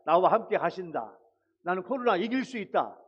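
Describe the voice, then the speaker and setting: High-voiced man preaching, lo-fi. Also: big pitch swings, moderate pace, breathy edge. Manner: exhorting, repeats phrases, calls out hallelujah. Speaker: pastor. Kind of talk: sermon. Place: church sanctuary.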